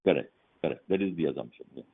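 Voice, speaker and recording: A man speaks as a company executive on an earnings call. His voice is very deep and his phrasing is halting. The sound is thin and narrow, like a telephone. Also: expressive, vocal fry, breathy edge. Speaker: company executive answering analysts. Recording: narrow tinny phone line.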